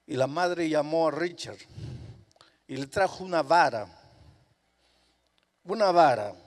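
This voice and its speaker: A man preaching a sermon and telling a story dramatically, moving from soft passages to shouted ones. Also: a little high, lively intonation, slow. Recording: reverberant hall.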